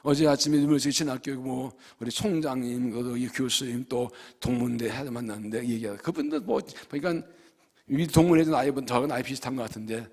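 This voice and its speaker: A middle-aged male pastor preaching a sermon, swinging between loud exhortation and hushed asides as he acts out dialogue. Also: mid-range voice, brisk, vocal fry. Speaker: senior pastor. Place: church sanctuary. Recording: long hall reverb.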